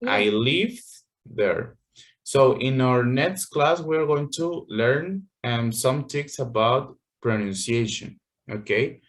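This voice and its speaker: A man's voice: mid-range voice, animated, takes it slowly. A man teaching an English class over a video call, patient and full of fillers, checking in with "okay" often.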